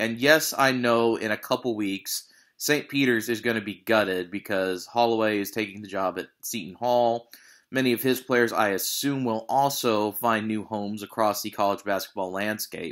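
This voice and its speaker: A man speaks with ordinary pitch variation and a moderate pace over a quiet background. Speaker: sports commentator. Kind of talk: commentary. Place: home room. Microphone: webcam.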